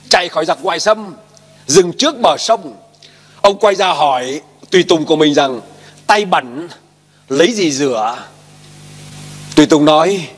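A male pastor delivers an emphatic sermon in a high, very lively voice, firing off questions and calling for his listeners to repeat after him. His voice rings through a long hall reverb.

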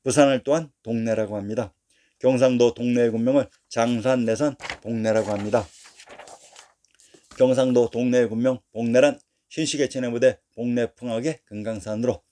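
A man giving a formal, steady scripted narration as a history narrator, reading dates and place names one after another. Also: medium pitch.

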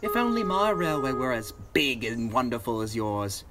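Man doing an excitable, high-voiced little steam engine. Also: normal speed, soft background music. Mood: happy, wistful. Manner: excitable, nervous, polite. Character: eager, anxious, polite young male steam engine. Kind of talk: children's storybook character voice.

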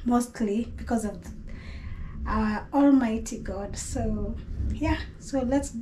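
A woman's voice: fairly high pitch, slow pace, warm tone, a little hiss or hum, rough recording. A middle-aged woman with a Kenyan accent, chatting casually to camera as she cooks in a small kitchen. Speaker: cooking vlogger. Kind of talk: casual vlog talk to camera. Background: rain and thunder outside.

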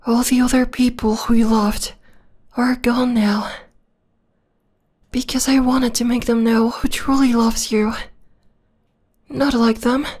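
A possessive young vampire girl, acted by a woman, speaks in an intimate ASMR roleplay. Her voice is fairly high and soft, often slipping toward a whisper. She takes her time with steady, narrow intonation, sounding sweetly menacing and obsessed. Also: slow, pauses often. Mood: soothing, possessive.

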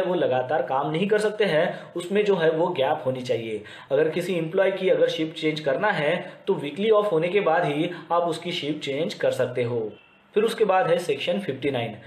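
An Indian man delivers an explanatory lecture in a slightly high voice. He works through his material methodically, point by point. The recording is clearly roomy and echoing. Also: darkish tone. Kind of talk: explanatory lecture mixing Hindi and English terms.

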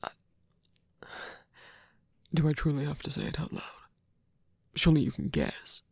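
A man playing a guarded, lovestruck villain in an ASMR roleplay, halting and tender, with a breathy voice that often drops to a whisper. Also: fairly high pitch, very animated, dry recording, full character voice. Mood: hesitant, vulnerable. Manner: halting, hesitant delivery with pauses. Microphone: close dry microphone.

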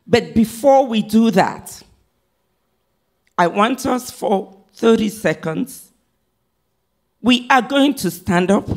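A woman pastor preaching a sermon, reading scripture in measured phrases and repeating lines for emphasis. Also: medium pitch.

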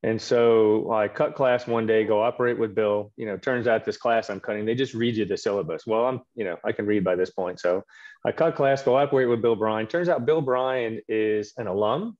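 A middle-aged man with a fairly low voice tells long stories in an unhurried, chatty way, with plenty of "uh" and "you know". He speaks over a video call from a home office. The sound comes through dull and lo-fi, with the muffled, narrow quality of a call recording. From Quebec, Canada. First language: French. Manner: storytelling, relaxed, with frequent fillers. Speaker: orthopedic surgeon guest. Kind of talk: casual video call interview.

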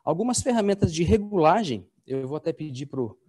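A man's voice: a little high, very animated, a little fast, dark tone. A Brazilian man in his forties, a piano technician explaining his craft in a workshop, often checking in with tag questions. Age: 40s.

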